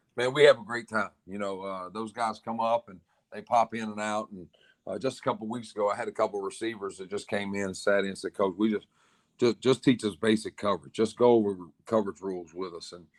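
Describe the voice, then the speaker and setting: With a Southern US accent and a fairly low pitch, a man talks at a very fast pace with fairly even intonation and big swings in loudness, the sound dry and close with no echo on a very clean recording over a silent background. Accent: Southern twang. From US South, Mobile, Alabama. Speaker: college football coach. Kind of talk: podcast interview.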